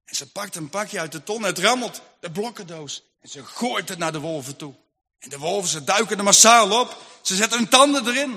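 A man narrates a Christian tale with hushed, suspenseful drama. His voice is high and bright. It rings in a large hall with a long reverb over faint music. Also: animated, brisk, husky. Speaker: storyteller.

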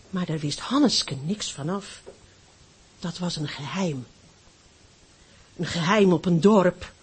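A woman reading a Christmas story aloud, slow and expressive, dropping very low for the quiet moments. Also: husky. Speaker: story reader.

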